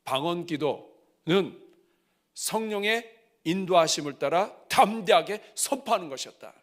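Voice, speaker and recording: A middle-aged man preaching at a church revival, moving from soft asides to loud cries. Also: high voice, lively intonation, unhurried. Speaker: pastor. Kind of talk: revival sermon. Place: church sanctuary.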